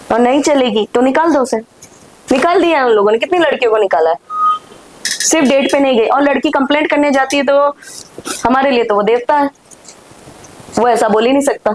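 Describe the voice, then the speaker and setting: Loud and animated, a woman speaks in a high pitch with ordinary pitch variation at a moderate pace, leaving long, frequent pauses amid noticeable background noise. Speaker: healer and tarot card reader. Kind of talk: podcast interview. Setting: studio podcast.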